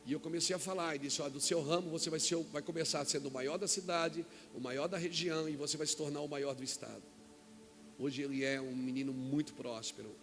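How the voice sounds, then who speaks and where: A Brazilian man preaching a sermon as a pastor, telling a personal story with quoted dialogue and rising to shouts at the peaks. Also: fairly high pitch, fairly even intonation, fairly quick, soft background music. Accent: Brazilian Portuguese. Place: church event hall.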